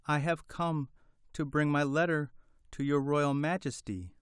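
A man's voice: medium pitch, expressive, unhurried, clear, resonant tone, no echo, clean studio sound, pitched above the performer's own voice, close to an everyday voice. A man voicing a timid little white hen with a small, frightened, chirping voice in a storybook reading.

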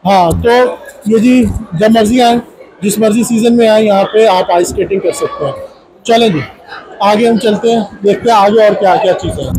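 Male vlog host, South Asian accent, high voice, casual and chatty commentary. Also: a little mellow, slight background noise, low-quality recording. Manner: chatty, playful, code-switching into English. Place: inside a large shopping mall.

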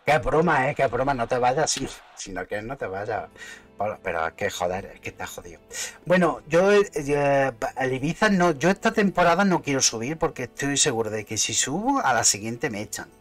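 A man with a Spain Spanish accent talks through his football match as he plays, his pitch leaping up and down with every chance. He mutters to himself, curses the bad luck and shouts at his players, a lively gaming streamer in full flow. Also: normal speed, faint music behind. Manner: excitable, muttering and cursing at the game. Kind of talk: live gameplay commentary.

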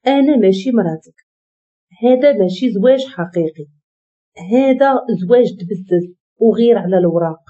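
A woman's voice: medium pitch, expressive, normal speed, dark tone, muffled recording, lightly acted. A woman with a Moroccan accent voicing a bitter, defiant young wife who was forced into marriage.

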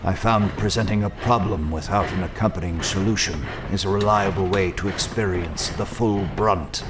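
A man playing a formal, guarded manor attendant in an audio drama, speaking in a measured, dryly understated way. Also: deep voice, background noise, natural voice. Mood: measured, earnest.

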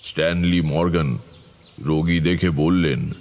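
A man's voice: extremely low pitch, steady tone, a little slow, darkish tone. An actor playing a grave occultist who recounts his eerie past in a horror audio drama. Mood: grave storytelling.

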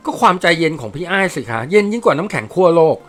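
A man's voice: high voice, very animated, very fast, fairly bright tone, faint music behind. A man reading a storybook, voicing a spirited young woman who nags and pouts. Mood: sulky nagging. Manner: pouty, nagging.

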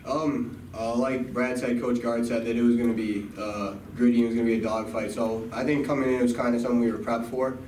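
A young male college basketball player giving modest, halting postgame answers, full of "uh" and "kinda.". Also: mid-range voice, steady tone, darkish tone. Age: young adult. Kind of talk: postgame press conference answers. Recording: echoey room, distant mic, noticeable background noise.

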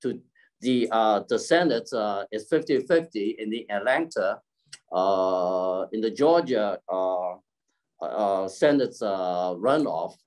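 This older man, around 70, has a lowish, animated and slightly mellow voice as he improvises an informal forum speech as keynote speaker and community leader. Frequent throat-clearing breaks up his halting delivery, picked up by a device mic at desk distance on a video call in a home room near a curtained window.

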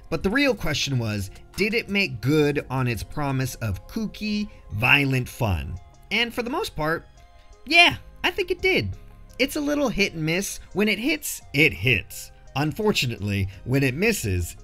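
A man's voice: fairly high pitch, fairly bright tone. A man narrating a casual scripted film review in a jokey, slangy way.

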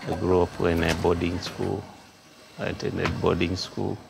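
Low gravelly Ugandan-born father. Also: flat delivery, measured pace, over music. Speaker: parent. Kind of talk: documentary interview. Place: small shop indoors.

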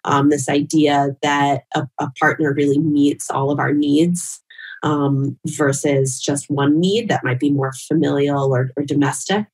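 A woman in her thirties giving thoughtful, measured answers in a conversational interview from home. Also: sits low, steady tone, a little mellow, slightly rough, low-quality recording. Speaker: psychologist guest, relationship podcaster. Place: home room, indoors. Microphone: video call, wearing headphones.

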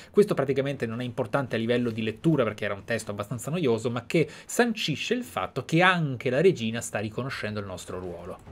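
A man with an Italian accent commentating on a video game, with theatrical delivery and reflective asides. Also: mid-range voice. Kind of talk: game commentary with read-aloud in-game letters.

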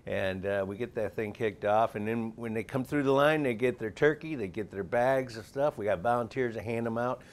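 A man's voice: medium pitch, moderate pace, hardly any pauses. A middle-aged man talking in a chatty, promotional way in a TV studio interview, gesturing as he speaks, on a lapel mic. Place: TV studio set.

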